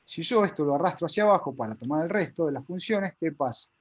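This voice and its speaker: A man's voice: fairly high pitch, expressive, fast. A man teaching a live spreadsheet class step by step, with an Argentine Spanish accent, often checking whether his students follow.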